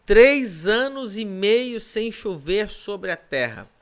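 A man's voice: high-pitched, sing-song, slow, fairly bright tone, clean tone. A Brazilian man, a pastor, preaching on a podcast in an emphatic way, repeating his points and firing off rhetorical questions. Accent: Brazilian Portuguese.

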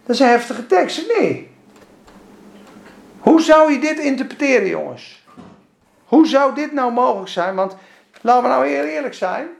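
An emphatic Bible study teacher whose voice leaps up and down in pitch as they put question after question to the group. The tone has a gravelly edge of vocal fry, and the recording carries a roomy echo. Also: very animated, normal speed, pauses often.

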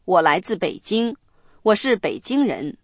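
Female lesson host; clear, careful instruction, dry studio sound. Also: medium pitch, sing-song, measured pace, dry recording. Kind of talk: explaining English to Chinese learners.

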